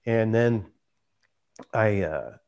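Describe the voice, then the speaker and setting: A man's voice: lowish voice, lively intonation, very slow, darkish tone. A man who hosts a trading channel, telling his story in a casual, conversational way. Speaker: trader and YouTube channel host.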